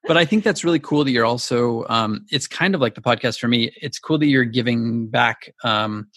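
A man's voice: medium pitch, normal speed, fairly bright tone, no room sound, studio quality. A man hosting a podcast interview, chatty and friendly, laughing easily. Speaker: podcast host. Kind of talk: casual interview chat.

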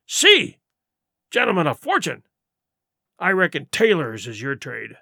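A man's voice: sits high, very animated, unhurried, sharp tone, dry recording, clean studio sound, pitched above the performer's own voice, exaggerated voice. Man acting a cunning, scornful, swooping pirate ringleader. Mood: scornful, heated. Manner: rustic nautical dialect, sarcastic, emphatic, rhetorical. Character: cunning, scornful pirate sea cook leading mutineers. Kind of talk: audiobook character acting.

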